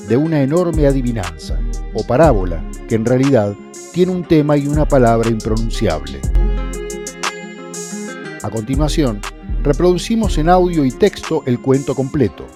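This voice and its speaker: A man's voice: medium pitch, sing-song, moderate pace. A man presenting a scripted introduction as a channel narrator. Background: clear music.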